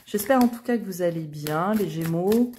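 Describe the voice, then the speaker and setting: A woman's voice: on the low side, animated, moderate pace, slight background noise. A woman hosting a casual tarot reading, talking to her viewers in a chatty way with many small fillers. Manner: chatty, many fillers like euh and hein, soft asides. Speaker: tarot reader, channel host.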